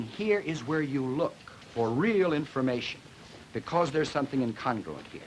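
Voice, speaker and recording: A noisy 1950s educational film soundtrack carries a man's fairly high, widely swinging voice. He lectures as a linguistics teacher, emphatic and deliberate, stressing key words as he explains.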